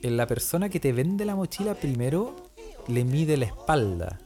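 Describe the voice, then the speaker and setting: A Chilean man chats as a podcast co-host, with music in the recording. His pitch is average, and he talks in loose, slangy bursts full of swearing, exaggerating his exasperation for comedy. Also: big pitch swings, normal speed, warm tone. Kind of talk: casual comic storytelling chat.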